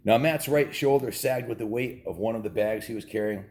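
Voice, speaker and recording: Low-voiced American man reading to kids. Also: brisk, a little mellow. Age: 50s. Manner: informal, jokey asides. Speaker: children's book reader and host. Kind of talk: casual read-aloud with asides to viewers.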